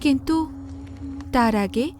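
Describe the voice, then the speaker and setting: High-voiced, commanding female spirit played by an actress. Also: faint music behind. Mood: commanding, possessive. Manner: soft-voiced, deliberate, commanding. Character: beautiful female spirit laying down binding conditions. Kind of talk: dramatized horror audio story.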